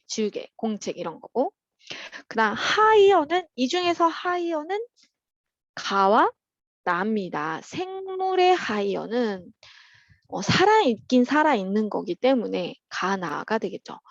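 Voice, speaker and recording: A woman teaching at a private academy, patiently walking children through workbook answers in a chatty way, with frequent soft "um" pauses. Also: on the high side, no room sound, muffled recording. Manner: patient and chatty, opens steps with "자" and fills pauses with "어".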